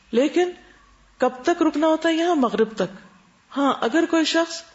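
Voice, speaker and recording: A woman's voice: high-pitched, darkish tone. Woman teaching, dull lo-fi recording. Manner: explanatory, checks understanding with quick questions. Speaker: Islamic teacher. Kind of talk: religious lecture.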